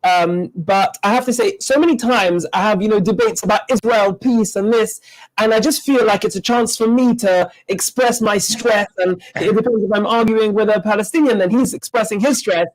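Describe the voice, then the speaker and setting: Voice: medium pitch, normal speed, low-quality recording. A co-host wrapping up an interview in a chatty, joking way with a few stammers. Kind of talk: conversational wrap-up.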